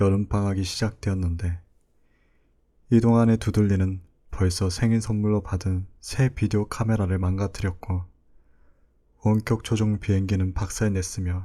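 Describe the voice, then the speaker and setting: Speaking at a fairly slow pace with long, frequent pauses, a man keeps a monotone, flat intonation. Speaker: audiobook narrator. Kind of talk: audiobook reading.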